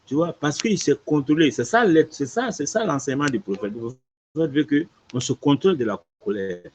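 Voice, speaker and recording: A man's voice: a little high, brisk, slight background noise. A man, an imam, explaining a religious teaching in conversation, repeating points and checking "tu vois". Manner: lively, repetitive explaining with frequent "tu vois". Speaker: imam answering questions. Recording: dull lo-fi audio.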